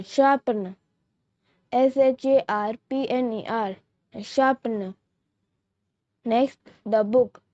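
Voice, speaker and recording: A woman teaching French vocabulary slowly and repetitively, spelling each word letter by letter. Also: sits high, mellow, no echo. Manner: slow, repetitive, careful. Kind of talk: slow vocabulary lesson, spelling words letter by letter. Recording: dull lo-fi recording.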